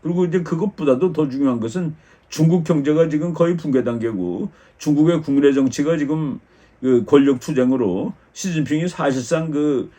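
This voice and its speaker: An older man giving a measured lecture on international politics as the channel's host, explaining step by step with frequent small fillers and restarts. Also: on the high side, dark tone.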